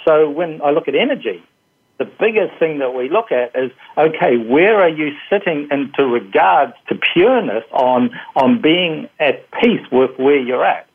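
A man's voice: on the high side, expressive, a little slow, slightly rough. Man, New Zealand accent, phone-line sound, rambling, full of fillers, interview guest. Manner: rambling, many fillers and restarts. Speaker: guest, energy healer. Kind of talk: casual interview answers.

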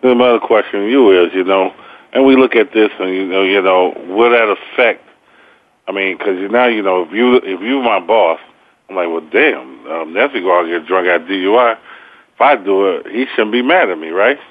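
A man's voice: low-pitched, normal speed, dry recording. A man hosting a sports radio talk show, rambling casually with lots of fillers and slang. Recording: tinny phone line.

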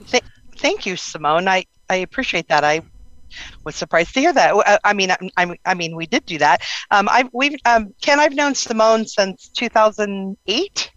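A woman speaking haltingly with stammers, joining an interview. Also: medium pitch, lively intonation, fairly bright tone, dry recording, dull audio.

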